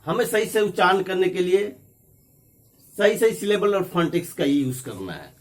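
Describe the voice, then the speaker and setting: Explaining every point first in English and then again in Hindi, a man leads a spoken English lesson. He has a high-pitched voice with big swings in pitch. His English examples come out slow and deliberate.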